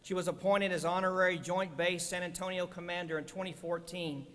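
A man's voice: high voice, steady tone, brisk, a bit bright. A middle-aged man reading a formal scripted introduction at a podium microphone during a ceremony. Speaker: ceremony presenter introducing the speaker. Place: large indoor arena stage. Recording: echoey large arena, long reverb.

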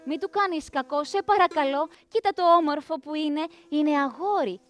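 A woman storyteller voicing an anguished young goddess mother who pleads and cries out in a high voice. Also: dry recording, soft background music, close to an everyday voice. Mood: pleading. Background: faint live plucked strings.

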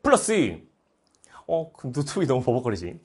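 A man in his thirties teaching history in a lively lecture, animated and playful, breaking into joking voices. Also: medium pitch, moderate pace, slightly rough. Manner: animated, playful, puts on mock foreign voices.

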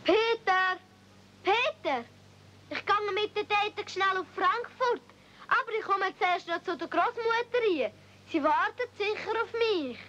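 A woman's voice: very high voice, lively intonation, unhurried, a bit bright, exaggerated voice. A woman playing an earnest, stubborn little mountain girl in a radio play, childlike and plaintive, in Swiss German. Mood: anxious. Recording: muffled, noisy old 1970s audio play recording.

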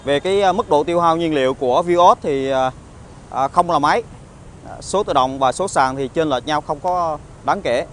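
A southern Vietnamese man talks like a used car salesman showing off a vehicle on video. His voice sits a little high, and he pitches informally with many halting pauses and tag words. Faint outdoor lot noise runs behind him. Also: fairly bright tone. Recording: outdoor phone recording with traffic ambience.

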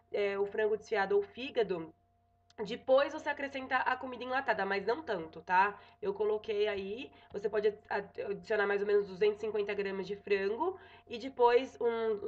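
In her home kitchen, a young Brazilian woman gives a relaxed cooking tutorial with a Brazilian Portuguese accent, chatting away, correcting herself and often checking in with "tá?". Her voice is medium in pitch, and the audio has its highs cut off.

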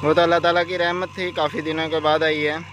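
A young man with a fairly high voice walks viewers through his day in the fields, calm and explanatory. He is recorded outdoors on a handheld phone, speaking casually as he points things out. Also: fast, a little hiss or hum. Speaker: vlogger. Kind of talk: casual farm vlog narration. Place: open farm field outdoors.

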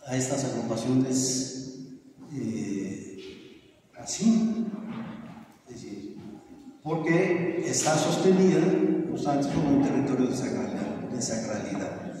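A man's voice: mid-range voice, dark tone. A middle-aged man with a Mexican accent giving an emphatic, argumentative talk at a conference, posing questions and answering them himself. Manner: emphatic, deliberate, poses and answers own questions. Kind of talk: extemporaneous public lecture, argumentative. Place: large brick-walled meeting hall with PA speaker. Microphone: handheld PA microphone, recorded from a far camera. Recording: very echoey hall, distant camera, faint noise.

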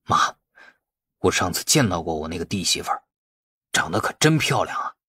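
A man acting a husky, impulsive young thug son. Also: deep voice, sing-song, moderate pace, sharp tone, dry recording, clean studio sound, voice pushed down, exaggerated voice. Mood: sheepish. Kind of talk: audiobook character acting.

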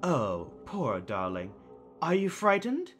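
Music plays behind a taunting villain acted by a man. He speaks slowly and condescendingly in a middle-pitched, very animated voice. Every phrase is cooed with sadistic tenderness, as in an audio drama. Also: heavily acted. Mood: mocking, gloating. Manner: mocking, cooing, condescending. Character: taunting, soft-spoken male kidnapper villain, sadistically tender. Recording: music under the voice.

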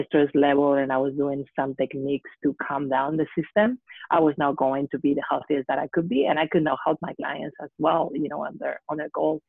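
A woman from Spain, a guest health coach on an online panel, speaks hesitantly in Spanish-accented English with many fillers. Her low, gravelly voice has no echo, but the video-call audio is tinny and phone-like.

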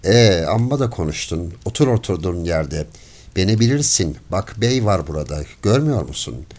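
A man voicing a gruff, stern forest warden who speaks curtly and commandingly in an audiobook story. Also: low-pitched, big pitch swings, moderate pace, darkish tone. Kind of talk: audiobook character voice.

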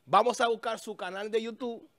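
A man's voice: high-pitched, fairly even intonation, moderate pace, creaky, a bit bright, dry recording. A man hosting a casual studio chat, thinking aloud as he searches a website. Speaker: show host. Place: small studio with a festive desk. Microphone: studio mic on a stand.

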